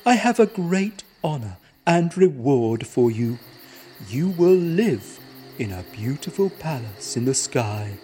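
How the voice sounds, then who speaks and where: A man plays a solemn divine emperor from a storybook, handing down grave pronouncements slowly in a warm, dark voice. His delivery swings widely in pitch. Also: slightly rough, exaggerated voice. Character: solemn male Jade Emperor deity. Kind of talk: storybook reading.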